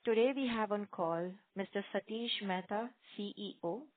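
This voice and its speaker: A woman's voice: mid-range voice, moderate pace, no room sound. Woman operator on a tinny phone line. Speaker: conference call operator. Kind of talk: scripted call announcement.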